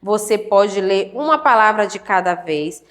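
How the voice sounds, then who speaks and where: A woman teacher giving a slow lesson to adult learners, sounding out syllables clearly and asking the students encouraging questions. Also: mid-range voice, animated, a bit bright, reverberant.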